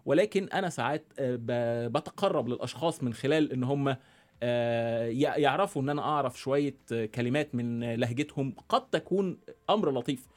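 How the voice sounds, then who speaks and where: A man from Egypt with a Cairene Egyptian Arabic accent, a journalist guest on an interview podcast who pauses and restarts as he thinks. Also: medium pitch, darkish tone. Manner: thoughtful, many hesitations and restarts. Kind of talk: conversational interview. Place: radio studio.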